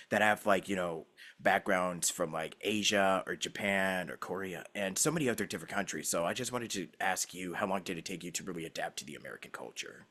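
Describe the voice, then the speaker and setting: A man's voice: low-pitched, a bit bright. A young man hosting an interview, laid-back and chummy, laughing often as he chats. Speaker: podcast host. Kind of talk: casual interview chat.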